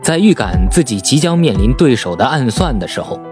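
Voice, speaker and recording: A man's voice: mid-range voice, very animated, brisk, music in the background. A man reading scripted dramatic narration as an audiobook narrator.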